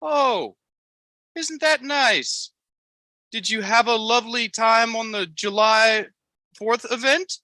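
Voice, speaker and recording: Amos, a high, prim Amish gentleman. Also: no room sound, full character voice. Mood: genteel. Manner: genteel, sing-song, slow and courteous. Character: prim, overly polite old-fashioned Amish man.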